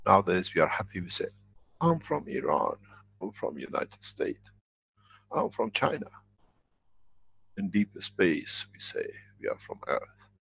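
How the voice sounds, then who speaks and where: Deep gravelly man lecturing. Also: very animated, a little slow, pauses often, a bit bright. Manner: emphatic, repeats key phrases. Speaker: workshop lecturer. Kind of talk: spoken workshop lecture. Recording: dull lo-fi recording.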